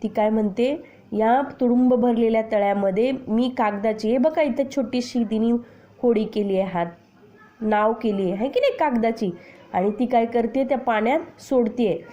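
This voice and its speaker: A woman teacher explaining a children's poem to her class, reciting lines slowly and then explaining each word with questions to the pupils. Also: fairly high pitch, warm tone. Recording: dull lo-fi recording.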